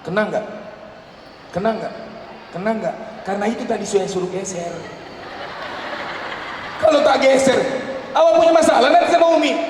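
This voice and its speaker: A man's voice: very high-pitched, steady tone, normal speed, long pauses. A man leading a storytelling workshop, talking to teachers in an emphatic, teasing way with rhetorical questions. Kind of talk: live workshop talk to teachers, theatrical storytelling. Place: large indoor hall at a live event. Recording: very echoey hall, far off, faint noise.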